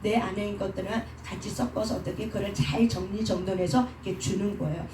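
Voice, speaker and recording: A woman's voice: mid-range voice, fairly even intonation, fast talker. A woman pastor giving a sermon-style teaching, asking the listeners questions and answering them herself, and acting out the quoted speech of others. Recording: roomy sound from a distance with faint noise.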